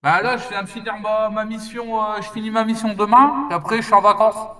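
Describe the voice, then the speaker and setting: A man calling into a live stream, talking bluntly and deadpan. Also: sits high, brisk, recorded from a distance. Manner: blunt, deadpan, literal-minded. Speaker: viewer on a call. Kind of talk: casual call-in chat.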